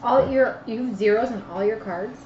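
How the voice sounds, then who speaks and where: A woman's voice: on the high side, moderate pace, darkish tone. A blunt, argumentative woman chatting casually as a player in a board game stream. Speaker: player on a gaming live stream. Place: indoor room at a game table. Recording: echoey room, muffled lo-fi, faint noise.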